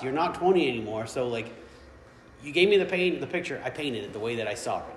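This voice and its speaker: Noticeable background noise behind a man speaking with lively intonation. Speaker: tattoo shop owner and airbrush artist. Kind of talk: casual chat. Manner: fast.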